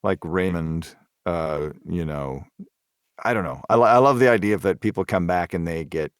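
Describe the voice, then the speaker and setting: A man's voice: low voice, moderate pace, clear, resonant tone, dry recording, studio quality. A man, a voice actor, chatting casually in a hesitant, meandering way. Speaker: voice actor on a discussion panel. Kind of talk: casual chat.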